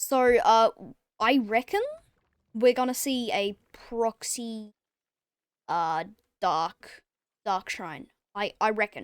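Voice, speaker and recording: A woman speaks in an animated tone at a fairly high pitch. The recording is very clean, with a silent background and a dry, close sound with no echo. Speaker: game caster. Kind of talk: live commentary.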